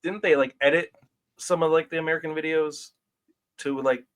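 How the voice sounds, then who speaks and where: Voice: mid-range voice, steady tone, normal speed. A speaker in casual podcast chat who laughs often and asks trailing questions full of likes.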